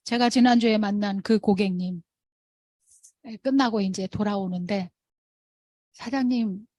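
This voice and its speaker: A woman giving a motivational storytelling talk at a sales meeting, acting out the people she quotes in a raised, animated voice. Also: mid-range voice, measured pace, dry recording.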